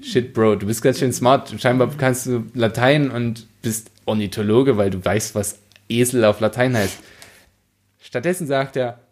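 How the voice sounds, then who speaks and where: A man's voice: mid-range voice, fairly even intonation, a little slow. A young man, co-hosting a podcast and discussing a book casually in an emphatic, slangy, exasperated way. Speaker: podcast co-host. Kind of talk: casual opinionated book discussion with read-out quotes.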